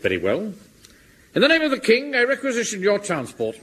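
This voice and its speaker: A pompous blustering captain. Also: male voice, medium pitch, big pitch swings, fast, sharp tone, slight background noise. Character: pompous middle-aged male platoon captain. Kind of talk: radio comedy acting.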